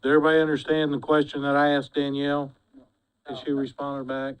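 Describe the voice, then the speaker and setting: Brief: male commissioner, smooth clear voice, blunt and loud. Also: a little high, flat delivery, fast talker, rough recording. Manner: loud and blunt, says he has a loud voice. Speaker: county commissioner. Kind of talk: formal meeting discussion.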